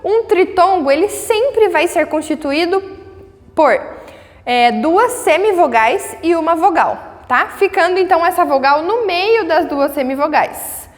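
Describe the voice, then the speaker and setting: A Brazilian woman teaching a grammar lesson, patiently checking in with her students and sounding out words slowly syllable by syllable. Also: very high-pitched, lively intonation, in a large hall. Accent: Brazilian Portuguese. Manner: patient, checks in often with tags.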